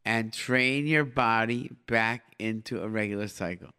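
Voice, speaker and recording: Unhurried and fairly low in pitch, the middle-aged host of a live call-in radio show offers informal advice in brief, repeated phrases laced with Hebrew and Yiddish. His tone is clear, resonant, pushed and bright.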